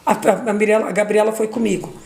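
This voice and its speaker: A woman's voice: mid-range voice, steady tone, fast, gravelly, darkish tone, reverberant. A middle-aged woman giving an emotional personal testimony, retelling what everyone said in long runs of dialogue, with restarts and fillers. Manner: retells dialogue with repeated 'aí eu peguei e falei', restarts and fillers.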